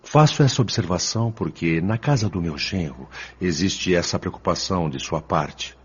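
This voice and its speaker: A man playing an earnest, respectful older father spirit in an audio drama, asking questions in a formal, humble manner with a husky, rough voice. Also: low-pitched, expressive, normal speed, full character voice. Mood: humble, inquiring. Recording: dull lo-fi audio.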